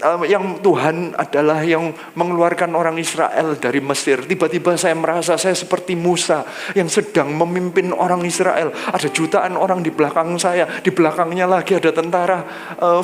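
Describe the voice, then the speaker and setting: A male pastor, telling a personal testimony in a sermon, lively and drawn-out when he quotes. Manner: lively storytelling, drops low and slow when quoting God.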